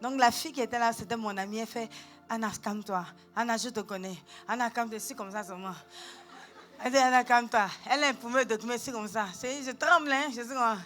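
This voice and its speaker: Woman, Gabonese French accent, pastor, sermon, high voice, faint music behind. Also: quick pace. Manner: animated, acts out quotes, switches between calm and shouting. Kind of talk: sermon with personal storytelling. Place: church.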